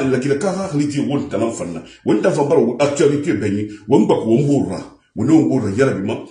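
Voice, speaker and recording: Emphatic man with a lively, mellow voice. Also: on the high side, reverberant. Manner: emphatic, repetitive, mixing French and a local language. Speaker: commentator addressing communicators. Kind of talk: impassioned monologue.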